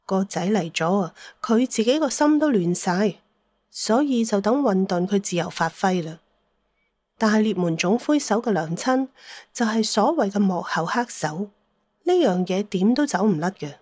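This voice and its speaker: A woman's voice: mid-range voice, expressive, moderate pace, a little mellow, no echo. Female storyteller with a dry, close sound. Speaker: audiobook narrator. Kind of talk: scripted dramatic story narration.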